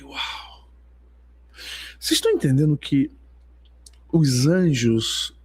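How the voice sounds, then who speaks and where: A man's voice: medium pitch, husky. A man, worship leader and preacher, telling a testimony in an emphatic, storytelling way and acting out the dialogue. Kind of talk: sermon testimony.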